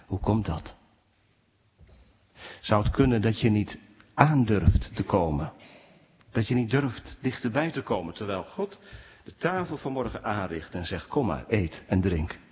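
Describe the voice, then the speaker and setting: A man preaching a sermon to his congregation, speaking with animated swings in pitch. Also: unhurried, long pauses. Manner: animated preaching, rising pitch when quoting complaints. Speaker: pastor. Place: church. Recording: dull sound with long church reverb.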